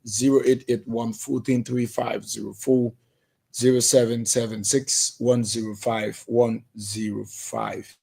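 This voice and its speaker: A man's voice: medium pitch, gravelly, a little mellow. A man with a Liberian English accent hosting a live call-in radio program and reading out phone numbers. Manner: announcing phone numbers and taking calls. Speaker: radio show host.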